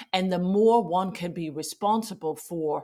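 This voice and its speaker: Her tone is dark and mellow, and the woman's pitch is medium with ordinary variation. She speaks at a very slow pace. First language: not English. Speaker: executive coach, former investment banker. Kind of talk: interview conversation.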